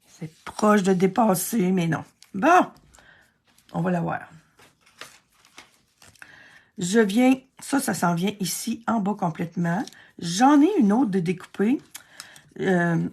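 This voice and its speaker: A woman's voice: mid-range voice, vocal fry, a little mellow, slightly rough. A Québécois woman chatting and thinking aloud through a card-making tutorial, self-deprecating and chatty. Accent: Québécois French. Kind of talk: casual craft tutorial narration.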